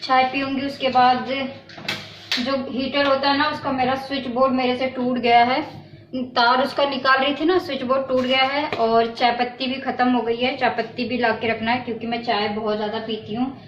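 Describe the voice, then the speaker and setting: A woman's voice: sits high, little pitch movement, normal speed, highs cut off, slight background noise. Unwell woman vlogging from her kitchen. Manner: talks to viewers while doing chores, then vents against trolls. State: unwell and weak, neck pain. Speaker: village vlogger. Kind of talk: casual home vlog while cooking. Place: home kitchen.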